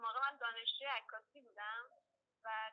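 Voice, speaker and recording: A woman talks at a moderate pace in a plain, everyday voice. Her pitch is fairly high and her intonation fairly even. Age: 20s. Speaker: traveller, former photography student. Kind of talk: interview.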